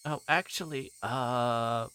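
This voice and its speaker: A man livestreaming a visual novel, reading it aloud and chatting to viewers in a hesitant, halting way. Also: medium pitch, sharp tone, clear, resonant tone.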